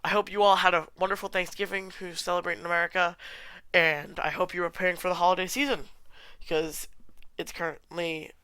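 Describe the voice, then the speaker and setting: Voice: mid-range voice, level tone, fairly quick, bright, forceful tone, smooth, dry recording, poor audio. A podcast host with a stuffy nose and sore throat, chatting casually and giving opinions in a solo film review. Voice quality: congested.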